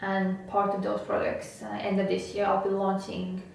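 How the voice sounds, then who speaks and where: Even-toned woman, native Estonian speaker. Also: mid-range voice, moderate pace, vocal fry. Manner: earnest, motivational, steady and even. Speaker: guest. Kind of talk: interview conversation. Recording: echoey room, from a distance, faint noise.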